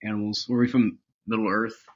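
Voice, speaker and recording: A man playing a questioning, brooding little creature with a gravelly voice, asking in a halting way. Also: on the low side, little pitch movement, dull audio, heavy background noise, lightly acted. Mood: puzzled. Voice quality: gravelly, husky.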